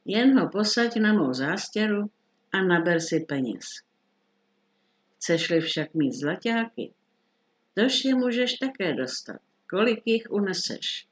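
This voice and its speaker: A woman's voice: medium pitch, very animated, natural voice. A woman voicing a scheming old witch in a storybook reading, coaxing and secretive. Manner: coaxing, then curt.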